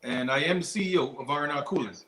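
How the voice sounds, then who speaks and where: A man who is a guest business owner on a live call-in show, his voice coming through robotic and glitchy over a lagging phone video call as he talks in halting, restarted sentences. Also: fairly high pitch, a bit bright, roomy sound, a little hiss or hum. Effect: robotic, glitchy video-call audio.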